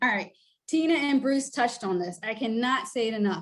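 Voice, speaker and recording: A woman's plain, everyday voice, fairly high in pitch, at a moderate pace with ordinary pitch variation. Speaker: statistician, panelist. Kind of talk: webinar presentation.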